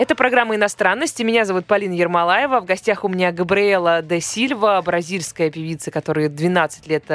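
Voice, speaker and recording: Here a woman has a plain, everyday voice with a fairly low pitch and ordinary pitch variation. She talks at a moderate pace on a very clean recording with a silent background. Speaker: podcast host. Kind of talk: casual interview. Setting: studio.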